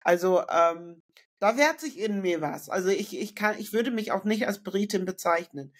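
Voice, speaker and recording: A woman's voice: mid-range voice, lively intonation, moderate pace. A middle-aged woman from northern Germany, a guest in a casual interview, talking reflectively with many fillers and restarts over a video call from a room indoors. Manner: reflective, frequent fillers and self-corrections.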